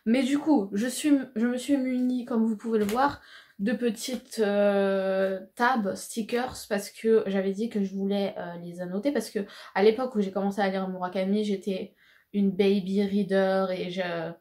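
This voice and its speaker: A woman's voice: mid-range voice, steady tone, moderate pace, darkish tone. A woman in a casual vlog talking about books to camera in a chatty way, with lots of fillers and slang. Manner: chatty, full of fillers and slang, laughs often. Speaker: book vlogger.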